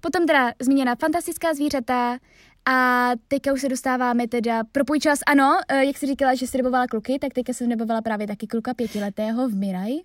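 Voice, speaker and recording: A woman's voice: high voice, steady tone, no echo, studio quality. A young woman, a voice actress, chatting casually and reflectively about her dubbing roles, often trailing off.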